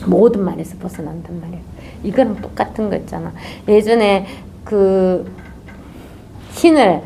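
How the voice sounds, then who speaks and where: A woman's voice: mid-range voice, creaky, a little hiss or hum. A woman giving a dharma talk as a Zen teacher, telling a story and acting out its characters. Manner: animated, acts out characters.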